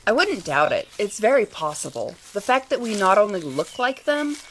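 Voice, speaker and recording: A woman's voice: medium pitch, very animated, normal speed, close to an everyday voice, low-quality recording. Earnest, sentimental female outdoor type for audio drama, played by an actress; natural delivery, some noise. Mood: sincere, assured. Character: earnest woman who secretly watches Sasquatch, easily moved.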